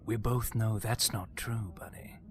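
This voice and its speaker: An actor playing a coolly threatening criminal enforcer in an audio drama. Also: male voice, on the low side, steady tone, a little slow, background noise, close to an everyday voice. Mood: quiet menace. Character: menacing criminal enforcer, coolly threatening, deferential to his boss.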